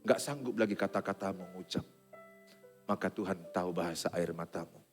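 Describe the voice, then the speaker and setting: A male pastor preaching a sermon, moving from joking banter to soft, tearful pleading. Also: low voice, fairly quick. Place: church sanctuary. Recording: long reverb of a church hall. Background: faint guitar playing.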